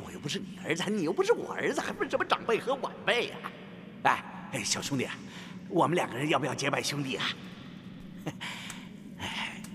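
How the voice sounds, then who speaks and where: Zhou Botong, a whiny childlike old martial-arts master. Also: male voice, a little high, noisy background. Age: older. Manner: whiny, teasing, many "aiya" exclamations. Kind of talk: costume drama acting. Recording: long reverb on dialogue.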